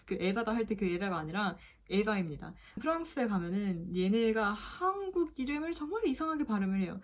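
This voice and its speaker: A woman's voice: mid-range voice, expressive, moderate pace, few pauses. A young woman in her twenties answering questions in a chatty, playful vlog. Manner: chatty, playful, mimics voices in quotes. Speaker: vlogger. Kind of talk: casual Q&A vlog.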